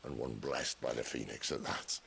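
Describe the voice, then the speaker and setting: An actor playing a worldly middle-aged outlaw leader in a video game, wry, theatrical and unhurried, with a gravelly voice. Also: male voice, noisy background, heavily acted. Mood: wry, musing. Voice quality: very deep, gravelly. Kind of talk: video game cutscene voice acting.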